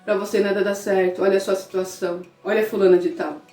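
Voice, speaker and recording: A woman's voice: medium pitch, little pitch movement, fast, dark tone, roomy sound, soft background music, natural voice. A woman voicing Satan as a sneering tempter who belittles the listener, in her own everyday preaching voice. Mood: taunting. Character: whispering tempter spirit, Satan, discouraging.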